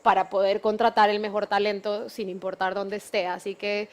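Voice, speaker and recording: A woman's voice: medium pitch, level tone, normal speed. A Colombian woman in her thirties with a Bogotá accent, explaining her company fluently as a panel guest. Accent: Bogotá Colombian Spanish. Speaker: panelist, tech company manager. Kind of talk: panel conversation.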